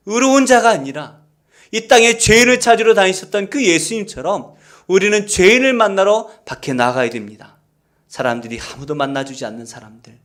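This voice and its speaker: A man preaching a Sunday sermon as pastor, in an earnest, pleading way that swings between loud stressed phrases and hushed near-whispers. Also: high voice. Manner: earnest, pleading appeals to listeners. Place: church service.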